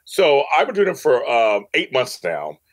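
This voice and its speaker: An audio drama producer, guesting on a podcast, tells personal stories in an unhurried way. His medium-pitched voice swoops wildly in pitch, and his casual, emphatic delivery often repeats phrases for emphasis.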